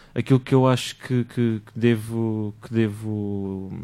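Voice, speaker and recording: His intonation is fairly even. The man's voice sits at a medium pitch. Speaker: master's student. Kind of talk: student debate. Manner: halting, many repetitions.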